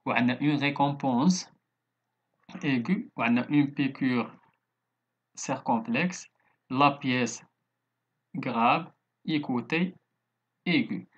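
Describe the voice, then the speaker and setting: A man's voice: medium pitch, moderate pace, pauses often, slightly rough, lo-fi sound. A man with a Moroccan Arabic accent teaching a recorded online lesson, going through words one by one. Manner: steady explaining, spelling out word after word.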